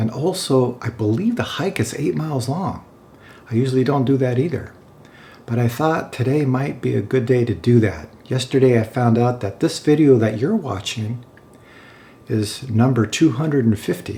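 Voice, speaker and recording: The man's pitch is medium and his pace moderate. There's some breathiness in his voice, and the pitch moves in an ordinary way. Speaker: zen teacher. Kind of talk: casual vlog talk. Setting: at home early morning. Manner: soft-spoken.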